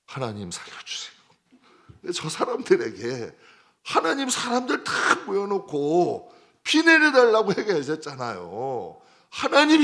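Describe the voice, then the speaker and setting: A male pastor preaching a midweek sermon in a conversational way, swinging between loud outbursts and soft asides, acting out prayers and dialogue. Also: mid-range voice. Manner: acts out prayers and dialogue in a raised voice.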